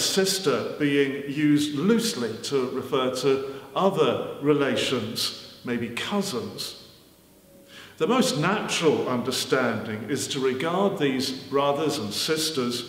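At a very slow pace, a man speaks with audible room echo. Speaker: preacher. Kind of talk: sermon. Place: church. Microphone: podium.

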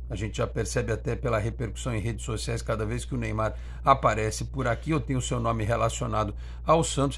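A man speaks with a very deep, low pitch and vocal fry. His intonation stays monotone and flat. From Brazil. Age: 40s. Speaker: sports journalist and football channel host; football commentator. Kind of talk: solo football commentary video; commentary. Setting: radio studio. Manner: hesitant fillers. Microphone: webcam.

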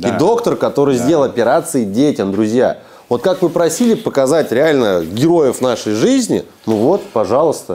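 A man speaks with a fairly high pitch that rises and falls in very wide swings. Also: moderate pace. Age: 30s. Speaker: video blogger. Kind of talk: casual on-location vlog interview. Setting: outdoors. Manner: animated.

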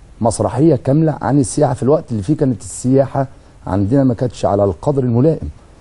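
A man's somewhat breathy voice with a dark, mellow tone, ordinary pitch variation and a very fast pace. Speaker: school teacher. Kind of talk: heated debate. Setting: studio. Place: studio.

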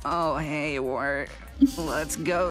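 Against clear background noise, a man puts on a strained character voice at a fairly high pitch.

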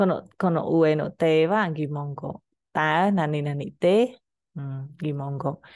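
Against a quiet background, a woman with a very deep, low pitch speaks very slowly with ordinary pitch variation. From Cambodia. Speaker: language teacher. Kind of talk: language lesson. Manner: halting. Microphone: webcam.

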